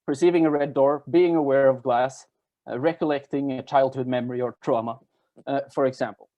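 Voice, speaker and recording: A man giving an academic talk, explaining step by step with halting self-corrections. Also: mid-range voice, steady tone, dull audio. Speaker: academic presenter. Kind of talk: academic lecture at a workshop.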